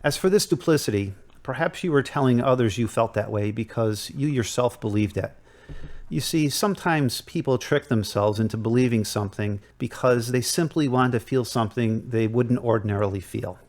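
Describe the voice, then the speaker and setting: A man acting a calm, measured counseling Catholic priest in an audio drama. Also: mid-range voice, natural voice. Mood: calm, advisory.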